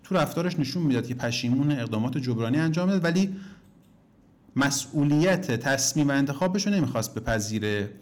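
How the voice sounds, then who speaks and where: A man teaching a relationship course to his students, talking to them directly, telling anecdotes and pushing his points with big rises and falls in pitch. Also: expressive. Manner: emphatic, swings pitch up and down for emphasis; addresses listeners directly as "kids".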